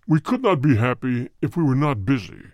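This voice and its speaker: A male audiobook reader voicing a cold, hard, deep spirit that speaks through a medium in slow, grave sentences. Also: big pitch swings, a little mellow, no echo. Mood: solemn. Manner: slow, grave, measured pronouncements. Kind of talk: audiobook reading.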